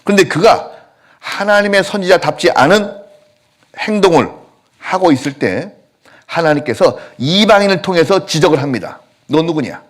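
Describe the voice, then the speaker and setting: A male pastor preaching a sermon in a church, telling stories with lively acted-out quotes. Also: high voice, normal speed. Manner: animated storytelling, acting out quotes. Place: church sanctuary.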